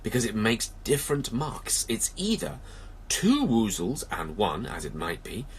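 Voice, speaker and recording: A man voicing an earnest, slow-witted, good-natured storybook bear in a ponderous, thoughtful manner. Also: on the low side, big pitch swings, a little hiss or hum. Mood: pondering.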